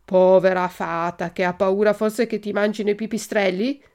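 A woman's voice: mid-range voice, fairly even intonation, normal speed, a little mellow, natural voice. A woman reading a storybook aloud, voicing a cocky boy who confidently coaxes his friend. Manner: confident, coaxing.

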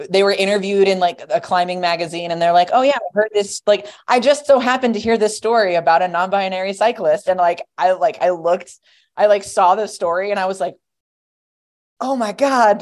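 A young adult guest on a podcast, talking casually and rambling, with lots of "like" and "you know.". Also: female voice, medium pitch, moderate pace, darkish tone.

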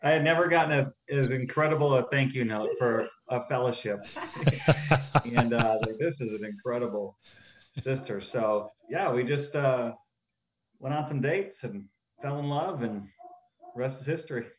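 A man's voice: medium pitch, moderate pace, echoey room, muffled recording. A man in his forties with a Northern Midwest American accent, talking earnestly as an interview guest, laughing easily with frequent fillers. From upper Midwest of the USA. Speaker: church planter, interview guest. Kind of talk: casual interview conversation.

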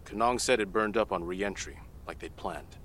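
A skeptical intelligence analyst in an audio drama, speaking in a very low, grounded register. He lays out events plainly and turns incredulous when pressed. A faint background hum sits under the voice. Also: moderate pace, a bit bright. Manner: matter-of-fact, incredulous at odd questions. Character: guarded male CIA analyst under questioning. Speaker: CIA analyst testifying.

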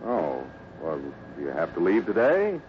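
Low-voiced fatherly cowboy boss. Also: huge pitch swings, a little slow, heavily acted. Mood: friendly, frank. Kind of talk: 1950s radio western acting. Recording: muffled, noisy old radio recording.

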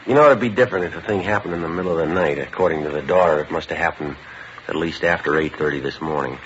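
A man's voice: rumbling low, fast talker, a little hiss or hum. An actor playing a terse, matter-of-fact police detective who narrates his case in a clipped, businesslike way, in the style of 1950s radio drama. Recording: lo-fi vintage radio broadcast with music.

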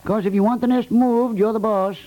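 Actor as a high-voiced, folksy American contractor. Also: male voice, steady tone, fairly quick, dark tone, close to an everyday voice, poor audio. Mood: resigned. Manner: laconic, folksy, drops words, guilt-tripping. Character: stolid, folksy building contractor, sentimental about birds. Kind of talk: 1950s radio comedy acting. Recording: 1950s radio recording.

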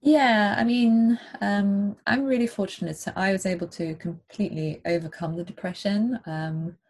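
Gravelly, husky woman from Germany. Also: medium pitch, moderate pace, a little mellow. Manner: thoughtful, hesitant with many ums. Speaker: interview guest. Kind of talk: casual chat. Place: home on a small island.

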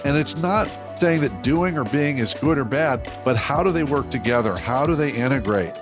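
A man works as a podcast host, presenting in a mid-pitched voice. He introduces the show and guest, with music audible in the recording. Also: expressive, normal speed.

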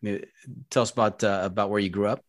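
An American man hosting a podcast, asking calm, measured interview questions and often repeating words as he thinks. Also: fairly low pitch, no echo, studio quality. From United States. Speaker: podcast host.

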